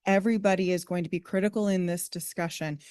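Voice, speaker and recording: Woman talking at a public meeting, kinda low voice, formal and explainy, dry sound no echo. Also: steady tone, fast talker, darkish tone, smooth.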